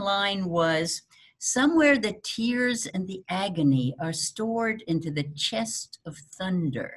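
A woman speaks very slowly at a medium pitch, somewhat breathy. Her intonation is lively. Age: 80s+. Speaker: evolutionary biologist. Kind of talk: interview. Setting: video call.

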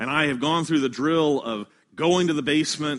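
This is a normal speaking voice from a man with an American accent. His pitch is fairly high, with ordinary variation. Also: quiet background. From US Midwest, Kansas City. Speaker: pastor. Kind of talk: sermon. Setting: church.

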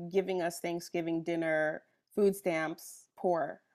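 Speaking at a very slow pace, a woman with an American accent uses monotone, flat intonation. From Northern California, Oakland-Berkeley area. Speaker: author and parent. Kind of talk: casual interview.

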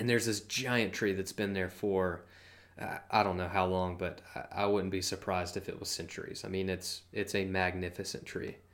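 A man's very deep, low voice in an American accent, flat and monotone at a moderate pace. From US South, Georgia. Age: 20s. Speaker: health coach, podcast host. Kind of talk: solo motivational podcast monologue.

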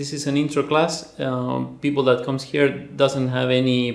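Against noticeable background noise and audible room echo, a man of medium pitch talks in a Spanish accent at a moderate pace. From Argentina. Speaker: web designer and volunteer teacher. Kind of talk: interview answers. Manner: halting, repeats words.

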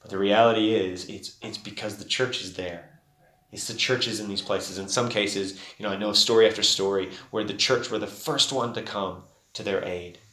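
Amid audible room echo, a man with a fairly low pitch talks at a fairly quick pace with fairly even intonation and big swings in loudness. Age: 30s. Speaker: charity representative speaking at a church. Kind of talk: sermon.

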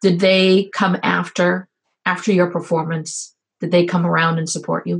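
A woman's fairly low, monotone, flat voice at a moderate pace. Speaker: podcast co-host. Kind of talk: casual chat.

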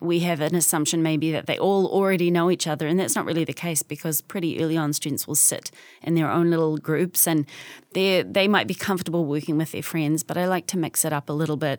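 A woman with a fairly low pitch speaks in a New Zealand accent. Her pace is very fast and her intonation fairly even. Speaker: college professor. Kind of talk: casual interview conversation.

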